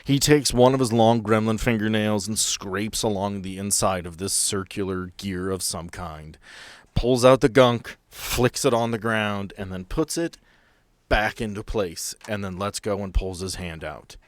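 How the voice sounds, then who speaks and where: Lowish-voiced man narrating a tabletop game. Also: measured pace, no room sound. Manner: storytelling, descriptive. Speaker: game master of a horror tabletop podcast. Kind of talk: improvised scene narration.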